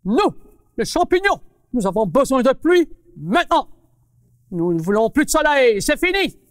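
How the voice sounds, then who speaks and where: Lady doing a bossy little mushroom colonel, squeaky and bouncy, huffs a lot, long reverb. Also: big pitch swings, normal speed. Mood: indignant. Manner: blustering, indignant, talks to children. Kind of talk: children's puppet show.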